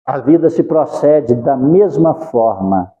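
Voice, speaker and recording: A man's voice: mid-range voice, lively intonation, slow pace, dark tone. A man giving a religious lecture, preachy and asking the audience questions. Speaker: spiritist lecturer. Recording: dull lo-fi recording.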